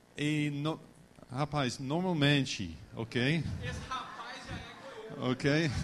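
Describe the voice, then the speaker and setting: A man with an English accent speaks at a fairly high pitch with lively intonation and a very slow pace. Noticeable background noise is present. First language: English (speaking Portuguese). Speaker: missionary. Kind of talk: testimony. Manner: halting.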